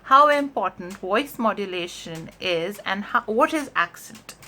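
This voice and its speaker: A woman's voice: mid-range voice, lively intonation, pushed and bright, a little hiss or hum. A woman with a mid-range voice speaks as an online coach giving a lesson. She is a non-native speaker of English. Her delivery is emphatic and explanatory, drawing out important words and regularly tagging phrases to check that the learner follows. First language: not English. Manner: emphatic, drawn-out key words, frequent check-in tags like "right?".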